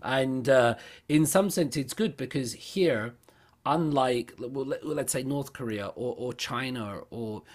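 A man from the United Kingdom hosting a casual discussion, reflective and animated, laughing easily. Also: medium pitch, a little slow.

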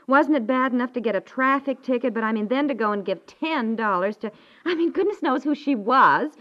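A woman's voice: on the high side, expressive, brisk, close to an everyday voice. An American woman playing a sweet but nagging wife in a naturalistic 1950s radio comedy, coaxing and hesitant, full of endearments. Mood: annoyed, reproachful. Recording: dull vintage 1950s radio recording.

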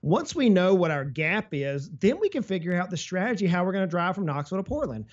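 Upbeat male advisor, slightly high voice, conversational, muffled lo-fi audio. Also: quick pace. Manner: energetic, explains with travel analogies and hypothetical quotes. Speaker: financial advisor guest. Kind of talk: casual business podcast talk.

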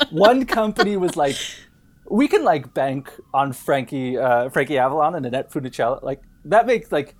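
Animated man chatting loosely about film. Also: fairly high pitch. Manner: rambling, halting, amused. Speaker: podcast guest. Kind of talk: casual film chat.

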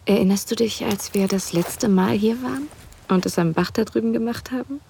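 An actress playing a playful, teasing married woman in an intimate audio drama, speaking in a relaxed half-whisper. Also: mid-range voice, moderate pace, gravelly, a little hiss or hum, natural voice. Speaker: wife in an erotic audio drama.

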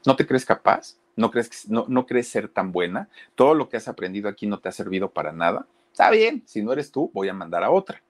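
A stern conservatory director, pressing and challenging his student, as a male storyteller voices him. He speaks low with lively swings in pitch. This is a told story. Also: brisk.

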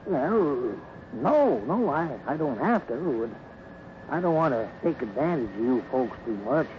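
An actor playing an easygoing, kindly drifting cowboy with an American Western drawl and a hesitant, homespun manner, in a 1950s radio western. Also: male voice, a little high, very animated, measured pace. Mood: hesitant, friendly. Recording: muffled, noisy old radio recording.

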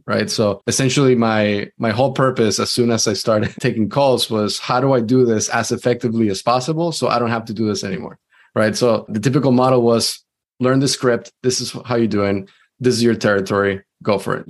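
A man from Venezuela, a sales leader, talking casually as an interview guest with frequent restarts. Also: medium pitch.

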